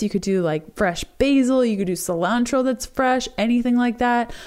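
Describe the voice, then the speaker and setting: A woman with a Canadian accent and an unremarkable speaking voice, at a moderate pace with ordinary pitch variation. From Canada. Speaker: podcast host. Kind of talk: casual interview.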